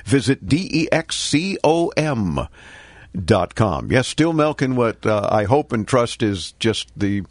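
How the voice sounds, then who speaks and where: A man's voice: mid-range voice, very animated, slow pace, no room sound. Older guy with a stuffy nose from a cold, nasal, snarky about the tech news, dry close mic. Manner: sarcastic, quipping commentary. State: congested with a cold. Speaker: host. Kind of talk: tech news radio talk show.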